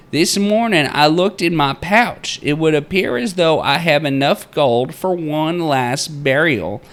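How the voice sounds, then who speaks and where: Man putting on a high-pitched, pompous old-time prospector. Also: a bit bright, exaggerated voice. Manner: florid, theatrical, self-important. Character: pompous, wordy male prospector writing in his journal.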